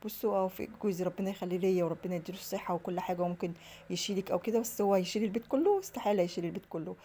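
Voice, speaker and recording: A woman's voice: mid-range voice, racing, warm tone, a little hiss or hum. A woman with an Egyptian Arabic accent, telling stories in a casual home vlog and rambling on as she acts out the dialogue. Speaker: home vlogger.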